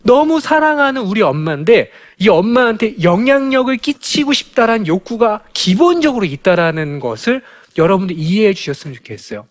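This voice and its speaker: A man giving a lecture to parents on raising children, animated and full of rhetorical questions. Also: high voice, fairly quick, few pauses. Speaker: parenting educator.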